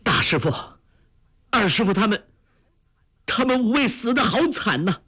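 A man's voice: sits high, animated, normal speed, bright, forceful tone, slightly rough, voice pushed up, full character voice. A man voicing an earnest young male hero in a storybook who cries out in strained, grief-stricken indignation. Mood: anguished. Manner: strained, crying out.

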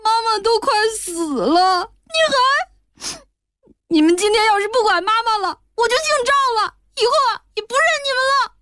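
A woman's voice: very high-pitched, expressive, normal speed, sharp tone, no echo, studio quality, pitched above the performer's own voice, exaggerated voice. A woman voicing a crying twelve-year-old boy who pleads defiantly with his father in a storybook reading. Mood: tearful, pleading. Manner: sobbing, pleading.

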